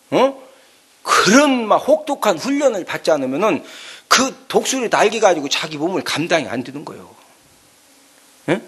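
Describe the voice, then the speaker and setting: A man's voice: fairly high pitch, a bit bright. A man preaching a sermon as pastor. He tells the story with sound effects and often checks in with the congregation.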